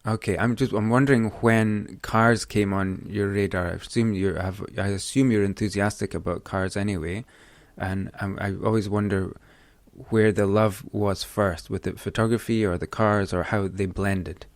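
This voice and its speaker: A man's voice: fairly low pitch, steady tone, normal speed, no echo. A man hosting a photography podcast, reading a scripted intro and then asking questions in an eager, chatty way with frequent restarts. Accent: Scottish. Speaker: podcast host. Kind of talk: podcast interview.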